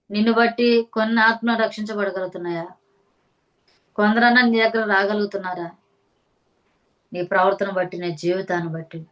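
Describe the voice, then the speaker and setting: A woman preaching a sermon. She reads scripture and explains it in slow, repeated, rhythmic phrases and puts pointed questions to her listeners. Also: medium pitch, rough recording.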